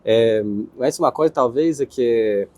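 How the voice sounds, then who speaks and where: Man with an Israeli accent, young adult, hesitant, restarts words, dark voice, dry close sound. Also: mid-range voice, unhurried, dry recording. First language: Hebrew. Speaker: interviewee. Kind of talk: casual interview answers.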